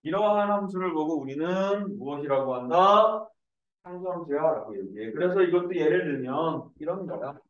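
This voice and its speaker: A male math teacher lectures in a slightly raised voice, breaking into animated, joking stories. He sounds set back from a dull-toned mic. The room around him is echoey. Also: a little high, moderate pace, distant mic. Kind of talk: lecture mixed with casual anecdotes.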